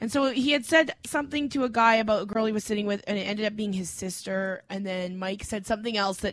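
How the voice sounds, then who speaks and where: A woman with a Western Canadian accent at a fairly quick pace, with ordinary pitch variation, in a very clean recording with a silent background. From Alberta, Canada. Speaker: comedian. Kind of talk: casual comedic chat.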